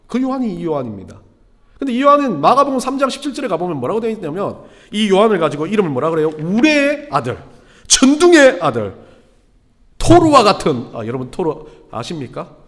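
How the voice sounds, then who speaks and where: A man's voice: high voice, sing-song, fairly quick, fairly bright tone. A male pastor in his thirties preaching a sermon, telling stories with self-deprecating humor and building to emphatic exclamations. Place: church sanctuary. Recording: long church hall reverb.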